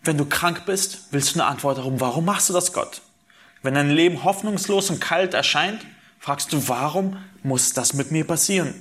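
A man's voice: a little high, moderate pace, a bit bright. A man preaching a sermon, asking rhetorical questions and reading Bible passages aloud. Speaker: pastor.

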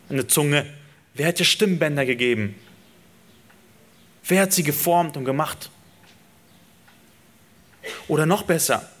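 A man's voice: a little high, fairly bright tone. A man preaching with a slightly raised voice, speaking earnestly to his congregation. He drives his points home by stacking repeated phrases that swell in emphasis. His address is direct and personal. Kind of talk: sermon.

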